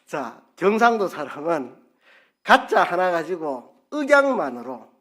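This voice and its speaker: A male pastor preaching a sermon in a church, lively and playful, acting out tones of voice to make his point. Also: high voice, unhurried. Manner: lively, playful, demonstrates intonation by repeating syllables. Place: church sanctuary.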